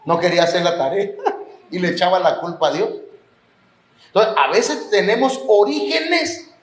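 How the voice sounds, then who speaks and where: A man's voice: high voice, moderate pace. A man with a Mexican Spanish accent preaching a sermon in a church, with rising emphasis and the odd joke. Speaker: pastor. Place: church hall. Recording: echoey church hall.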